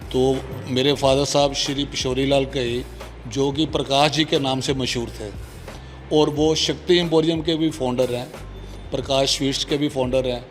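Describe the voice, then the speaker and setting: A middle-aged man, a businessman guest who tells anecdotes slowly and deliberately. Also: medium pitch, fairly even intonation, faint music behind. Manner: slow, deliberate anecdote teller. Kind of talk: casual interview chat.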